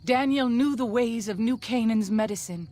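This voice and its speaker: A woman's voice: fairly high pitch, moderate pace, darkish tone, natural voice. An actress playing a devout, formal-spoken tribal woman and mother in a video game. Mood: reverent. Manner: formal, reverent. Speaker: game character.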